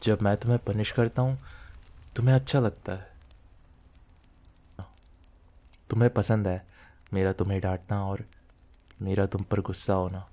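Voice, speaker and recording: In a low, dark, relaxed voice, a man plays a possessive mafia boss in a close, intimate ASMR-style roleplay, brisk and lightly acted. He is seductive, controlling and teasing, with a quiet threat beneath his words.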